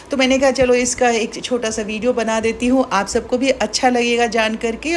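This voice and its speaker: A woman's voice: a little high, a little hiss or hum. A middle-aged woman narrating a casual daily vlog in a chatty, explanatory way. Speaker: vlogger and radio broadcaster.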